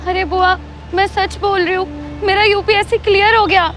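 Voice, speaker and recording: A woman's voice: extremely high pitch, steady tone, normal speed, fairly bright tone, soft background music. An actress playing a bold young woman who insists and schemes, in a web drama. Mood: excited. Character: young scheming woman, daughter-in-law or niece.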